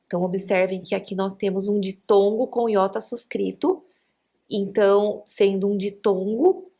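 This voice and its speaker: A woman's voice: medium pitch, a little mellow. A woman teaching a recorded online class, methodical, asking questions and answering them herself, sometimes correcting herself mid-word. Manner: methodical, asks and answers her own questions. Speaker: Greek language teacher.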